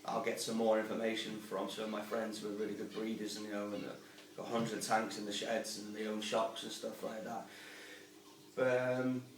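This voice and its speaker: A man gives an informal, rambling how-to talk in an even, level voice. He sounds some distance from the camera mic, with roomy echo and faint ambience behind him. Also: lowish voice, moderate pace, slight background noise. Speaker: aquarium hobbyist and channel host. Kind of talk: casual how-to explanation.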